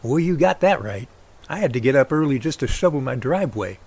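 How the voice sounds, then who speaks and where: A man's voice: mid-range voice, animated, a little fast, gravelly, a little mellow, slightly rough. A man acting as a chatty, good-humoured grown son in an amateur audio drama, with folksy delivery. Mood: chatty, wry.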